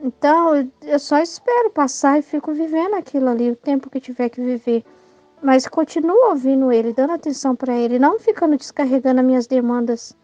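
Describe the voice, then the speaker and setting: A Brazilian woman with a high, mellow voice gives informal Catholic teaching, keeping it conversational and tagging her points with "né?". The sound is dry and a little dull, as if from a modest mic. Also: fairly quick, dry recording, faint music behind. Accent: Brazilian Portuguese. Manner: conversational, keeps adding "né?", acts out quoted thoughts.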